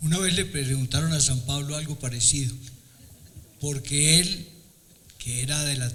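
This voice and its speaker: A man's fairly high-pitched voice at a moderate pace, with fairly even intonation, audible room echo and noticeable background noise. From Colombia, Antioquia. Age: 80s+. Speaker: priest. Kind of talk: panel interview.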